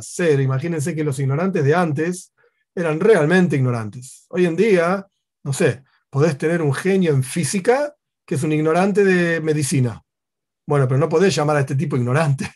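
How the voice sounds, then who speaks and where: A man's voice: on the high side, darkish tone. A man teaching a Torah lesson, who explains at length with asides and Yiddish-style Hebrew terms.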